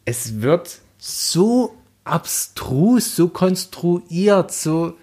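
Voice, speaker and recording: A man's voice: high-pitched, sing-song, extremely slow, a little mellow, slightly rough. A man co-hosting a casual book discussion, speaking colloquially as an emphatic, exasperated critic. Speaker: podcast co-host.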